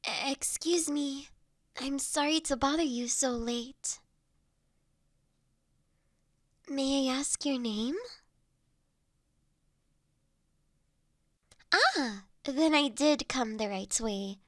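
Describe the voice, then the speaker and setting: A woman performs a courteous, gentle lady in an intimate audio drama. Her voice sits high and she takes her time, with formal phrasing and soft, hesitant pauses. The sound is dry, with no room around it. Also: no room sound. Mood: apologetic, courteous. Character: polite, gentle human woman seeking to adopt an automaton. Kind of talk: scripted audio roleplay, intimate and conversational.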